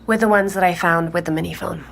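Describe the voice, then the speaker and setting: Granddaughter telling her story in a podcast drama, low creaky voice, halting, bit of background noise. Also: fairly even intonation, a bit bright. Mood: animated, candid. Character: shaken woman recounting her grandfather's secret tapes. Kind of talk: naturalistic audio drama, interview-like.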